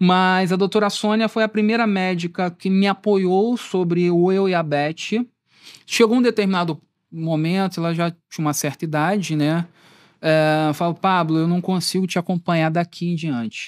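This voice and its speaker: A man's high voice in a Rio de Janeiro accent, at a moderate pace with ordinary pitch variation, dry and close with no echo. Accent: carioca (Rio de Janeiro). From Brazil, Rio de Janeiro (Campo Grande). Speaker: diabetes patient advocate. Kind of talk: casual chat.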